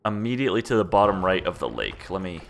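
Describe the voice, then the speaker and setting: A chatty young man in his twenties with a fairly low voice, talking loosely through a gaming stream. He rambles and laughs at himself as he plays. A faint hiss sits under the recording. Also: sing-song, fast, vocal fry. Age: 20s. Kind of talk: casual gameplay commentary chatting with chat.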